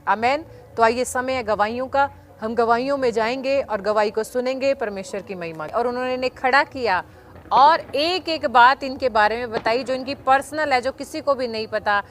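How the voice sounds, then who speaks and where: A woman with a fairly high voice preaches to viewers watching a livestream. She talks in a fervent, urging way, calling on people to share and testify, and brings her stories to life by acting out the voices. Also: moderate pace, slight background noise. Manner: acts out voices in a story. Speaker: church presenter. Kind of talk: evangelistic sermon for a livestream.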